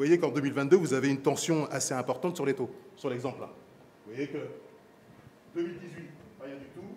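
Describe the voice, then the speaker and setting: Speaking at a fairly quick pace yet with long, frequent pauses, a man uses a fairly high, somewhat breathy voice and fairly even intonation, with audible room echo. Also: big swings in loudness. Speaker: portfolio manager, master class speaker. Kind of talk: lecture. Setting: conference hall with audience. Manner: hesitant, many fillers and repetitions.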